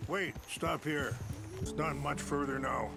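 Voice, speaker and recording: An actor playing a dignified, calm middle-aged tribal leader in a video game, speaking in a measured, formal and gentle way. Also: male voice, a little high, creaky. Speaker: tribal chief. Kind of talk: video game cutscene dialogue. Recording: orchestral game score behind.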